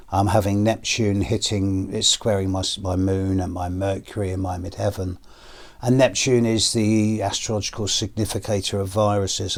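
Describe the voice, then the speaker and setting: A hoarse British man with a deep, fairly low voice, speaking slowly and with a cough in a personal video. He is middle-aged and talks to his viewers in a measured way, with pauses and fillers. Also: a little mellow. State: hoarse and coughing after illness. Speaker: astrologer.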